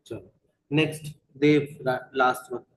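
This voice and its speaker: A man's voice: mid-range voice, steady tone, measured pace, low-quality recording. A man with a South Asian accent teaching an interactive online lesson, prompting pupils with short questions and switching between English and Hindi. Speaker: teacher leading an online class.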